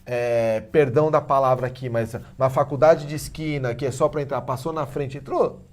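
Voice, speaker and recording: A middle-aged man, a guest on a talk-show interview, explaining his teaching method in an animated, persuasive way. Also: mid-range voice, moderate pace. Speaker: guest, head of a language school.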